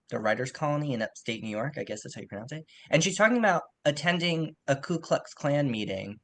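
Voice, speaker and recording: A man's voice: fairly high pitch, fairly bright tone. A man co-hosting a podcast, casually discussing literature in a conversational, self-qualifying way, on poor audio. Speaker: podcast co-host.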